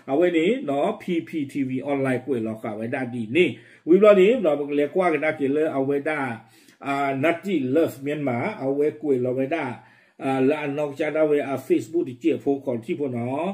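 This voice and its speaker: A man presenting and commenting on the news in a rapid, informal way, with many fillers. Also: fairly high pitch, darkish tone. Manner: quick, running commentary with frequent fillers.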